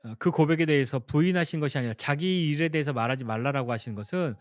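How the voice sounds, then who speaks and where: A man's voice: fairly high pitch, fast, no echo, clean studio sound. A male pastor preaching a sermon, telling the story and asking the congregation questions. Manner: storytelling, acting out quoted dialogue.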